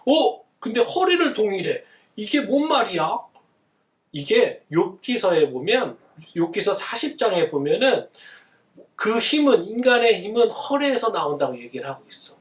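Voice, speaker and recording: A male pastor giving a children's sermon, asking the kids questions and answering them himself in an animated way. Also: high-pitched, normal speed, echoey room, recorded from a distance. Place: church.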